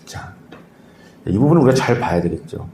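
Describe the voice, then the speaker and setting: A man preaching a sermon, speaking conversationally and often asking his listeners questions. His voice is warm and mellow. It rings through a reverberant room with a faint hum of ambience behind it. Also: medium pitch, sing-song, normal speed. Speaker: pastor.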